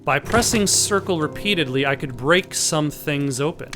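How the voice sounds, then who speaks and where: A man playing a video game who reads its text aloud in a plain, measured way, with casual asides. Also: on the high side, animated, over music. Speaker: let's play host.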